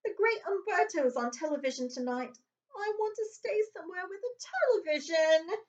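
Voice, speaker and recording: A spoiled little storybook boy, acted by a woman reading aloud, sulky and whining. The voice is pushed high above normal talk. The recording is a bit dull. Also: lively intonation, moderate pace.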